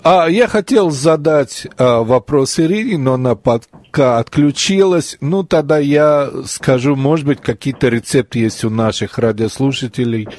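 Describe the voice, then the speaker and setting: Measured Russian-speaking radio host man. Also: mid-range voice, darkish tone, no room sound. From former Soviet Union. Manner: measured, deliberate, with fillers. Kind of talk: radio talk show interview. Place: radio studio. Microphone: studio mic.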